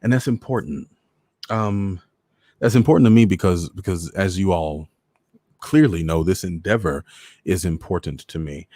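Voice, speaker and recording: A man's voice: low-pitched, normal speed, warm tone, no echo, clean studio sound. An American man hosting a live online show, chatting casually to his viewers and repeating phrases for emphasis. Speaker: host of a live online story-reading show. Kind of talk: casual livestream chat to viewers.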